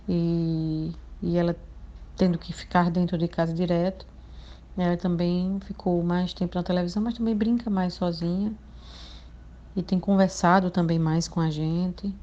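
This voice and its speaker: A woman's voice: on the low side, warm tone. A woman with a Brazilian accent talking casually as an interviewed parent. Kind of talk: casual spoken testimony. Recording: dull, lo-fi sound.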